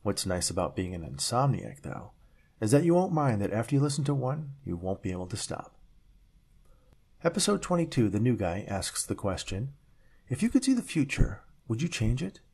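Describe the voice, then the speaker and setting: A man narrating scripted stories as a podcast host, with a measured, dramatic delivery and deliberate pauses. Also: medium pitch, very animated, a little mellow, slightly rough.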